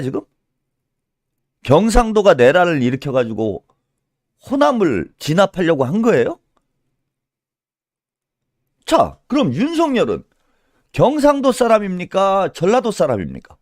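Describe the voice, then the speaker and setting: A man's voice: high-pitched, a little mellow, dry recording, clean studio sound. A man doing solo political commentary in a scolding tone, firing rhetorical questions and tagging them with a pushy "eh?".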